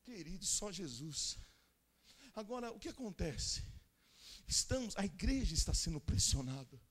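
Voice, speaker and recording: A man with a Brazilian Portuguese accent preaching a Pentecostal sermon at a church conference, moving between chatty asides and shouted exhortation. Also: high voice, big pitch swings, moderate pace. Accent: Brazilian Portuguese, São Paulo interior. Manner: swings from conversational asides to shouted, fervent exhortation; speaks in tongues amid the preaching.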